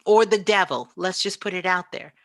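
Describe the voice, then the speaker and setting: A woman's voice: fairly low pitch, moderate pace, a bit bright, no echo. A woman giving a spiritual motivational talk as a teacher, speaking emphatically and repeating phrases for effect.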